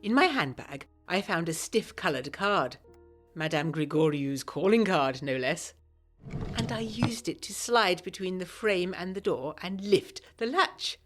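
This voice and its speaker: A woman's voice: lowish voice, expressive, a little slow, soft background music. A woman playing an eager, self-pleased 1920s lady narrating a gothic audio drama in genteel, bookish diction. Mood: sly, pleased.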